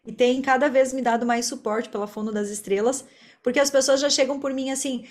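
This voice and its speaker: A woman's voice: high-pitched, fairly even intonation, brisk, a little mellow. A Brazilian woman speaking as an interview guest, a speech therapist explaining her work in a talkative, conversational way. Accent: Brazilian Portuguese.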